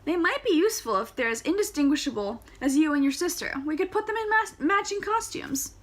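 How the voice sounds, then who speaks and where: A woman doing a brisk, pompous circus impresario. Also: sits high, expressive, pitched above the performer's own voice. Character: fussy pompous older male circus impresario.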